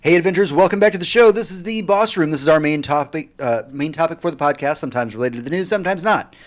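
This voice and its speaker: A man's voice: on the high side, fast talker. A man hosting a casual podcast, steering the talk with energy. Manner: lively, steers the discussion. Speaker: podcast host.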